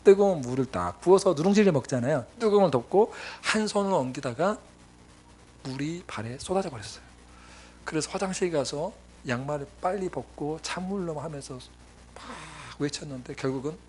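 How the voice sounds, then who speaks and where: A man preaching a sermon as a missionary, telling stories in a lively way and acting out his friends' voices. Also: a little high, brisk, slight background noise. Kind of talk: sermon with storytelling. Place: church sanctuary.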